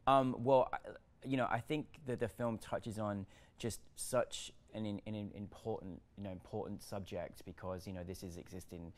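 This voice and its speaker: A man interviewing a filmmaker, warm and halting, often restarting and repeating words. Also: lowish voice, fairly even intonation. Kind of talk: casual interview.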